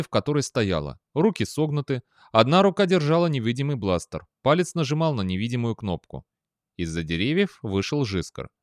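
A man narrating a science fiction audiobook in an expressive manner. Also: medium pitch, no echo, clean studio sound. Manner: expressive, with a lively tone. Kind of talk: scripted narration.

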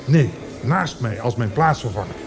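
Guy acting fervent poet in a radio drama, grand preachy delivery, very lively pitch, bit of music under it. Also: moderate pace, lightly acted. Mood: urgent, persuasive. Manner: solemn, declamatory, grandiloquent. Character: fervent male poet, zealous would-be leader of language purists. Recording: music behind the voice.

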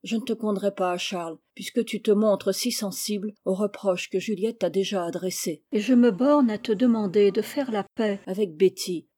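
A calm, sensible older sister and guardian, as a woman reader voices her, measured and reasonable. The voice is mellow and level. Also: medium pitch, close to an everyday voice. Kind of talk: audiobook character reading.

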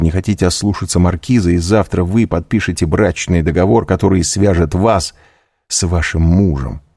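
Determined young suitor, read by a low husky man, pressing and earnest. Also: dark tone, no echo, studio quality, full character voice. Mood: tense. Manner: intense, pressing questions.

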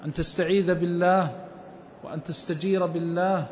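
A man teaches a religious text in a measured, scholarly way, quoting verse and the views of scholars as he explains each phrase. His voice sits high and stays fairly level in pitch. The recording carries a long hall reverb with a faint hiss underneath. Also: flat delivery.

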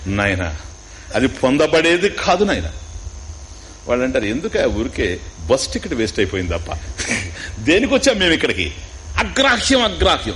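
A man's voice: mid-range voice, a bit bright, a little hiss or hum, low-quality recording. A man with a Telugu accent giving a spiritual discourse on scripture, teaching through questions and repetition and mixing in English words. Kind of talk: Upanishad discourse.

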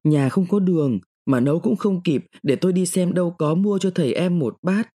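A man's voice: high voice, normal speed, mellow, pitched above the performer's own voice. A man doing a cloying, wailing young village wife. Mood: fussing. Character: sweet-voiced deceitful young village wife.

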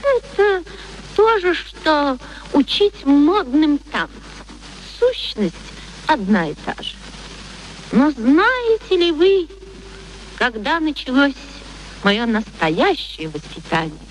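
A woman's voice: sits high, big pitch swings, slow pace, exaggerated voice, poor audio. An actress playing a proud young former street girl turned lady, speaking with mannered, pointed politeness in a radio play. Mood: earnest, dignified. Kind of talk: theatrical radio play acting. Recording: faint background noise, archive radio recording.

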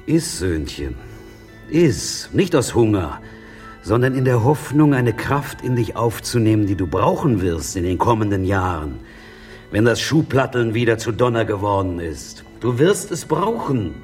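An actor in a radio drama playing a fatherly Jewish sage, consoling and sardonic, with a deliberate storytelling manner. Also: fairly low pitch, big pitch swings, darkish tone, soft background music. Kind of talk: stage-like radio drama acting.

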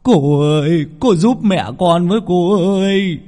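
A man's voice: on the low side, very animated, a little fast, a little mellow, slightly rough. A man voicing a panicked, grieving village man who pleads and wails tearfully. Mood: frantic. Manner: wailing, breathless pleading.

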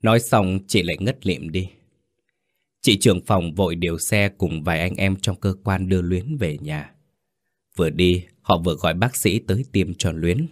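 A man reading a story in a steady, grave way. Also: deep voice, no room sound, studio quality. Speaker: narrator. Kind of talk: scripted story narration.

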